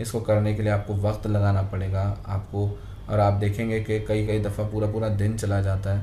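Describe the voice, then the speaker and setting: Audible room echo surrounds a man whose somewhat breathy voice is fairly low in pitch and has a dark, mellow tone. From Maharashtra, India (Vasai). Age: 30s. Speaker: writer and literary podcaster. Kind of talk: interview conversation.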